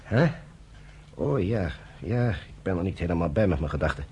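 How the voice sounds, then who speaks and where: An actor playing a troubled half-Jewish British general in a Dutch radio drama, talking in a brooding way that sinks into hushed whispers. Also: male voice, deep voice, animated, normal speed, a little hiss or hum. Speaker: general and narrator.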